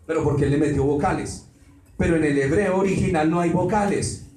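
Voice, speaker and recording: A man's voice: fairly high pitch, fairly quick, a little mellow. A man, a pastor preaching a sermon and putting rhetorical questions to the congregation. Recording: roomy hall, mic at a distance, faint noise.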